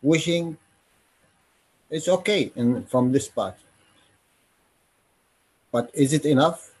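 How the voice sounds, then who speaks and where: A man speaking as a panelist on an online call, slow and earnest, in broken phrases. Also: fairly high pitch, a little mellow, slightly rough. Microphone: video call.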